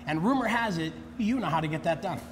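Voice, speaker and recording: A man's voice: high voice, lively intonation, fast talker, big-room sound, slight background noise. A man in his forties co-hosting a cooking segment, chatting eagerly and chiming in with reactions. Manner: enthusiastic, interjecting reactions. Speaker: co-host chef. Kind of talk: casual chat. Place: studio kitchen.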